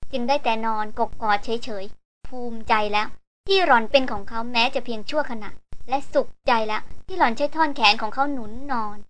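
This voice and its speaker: A woman narrating a novel as an audiobook, in a steady storytelling manner. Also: on the high side. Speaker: audiobook reader.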